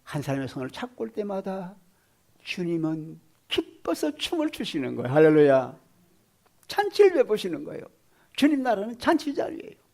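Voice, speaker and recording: A male pastor preaching a sermon in a fairly high voice. He swings between loud exclamations and hushed whispers and keeps asking the congregation questions. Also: huge pitch swings, moderate pace, creaky.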